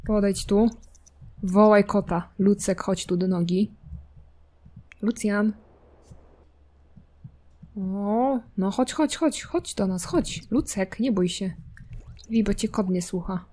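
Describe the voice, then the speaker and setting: A woman's voice: mid-range voice, slow, long pauses, mellow. Chatty woman teasing her game characters. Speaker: gameplay streamer. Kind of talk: casual commentary while playing a life simulation game.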